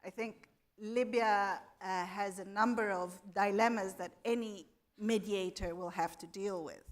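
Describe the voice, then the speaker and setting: A woman on a conference panel works through her argument in an orderly way, naming each point in turn. Her delivery is measured, with a voice of middling pitch. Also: fairly even intonation. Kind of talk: panel discussion. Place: conference hall.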